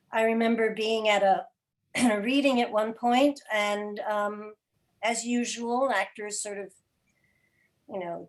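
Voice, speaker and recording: A mature woman speaking reflectively as an interview guest on a video call, articulate, with thoughtful pauses mid-sentence. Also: medium pitch. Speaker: interview guest, theater podcast producer. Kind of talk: reflective conversational talk. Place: indoor room, video call.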